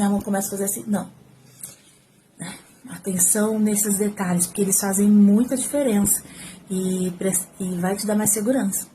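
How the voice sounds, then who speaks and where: Brazilian woman, ex-reporter, mid-pitched, chatty home tutorial on phone, faint background noise. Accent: Brazilian Portuguese. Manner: talkative, animated, gestures while speaking. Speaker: former TV reporter teaching on-camera skills. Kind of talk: casual tutorial to camera. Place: at home, indoors. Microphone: phone, front camera.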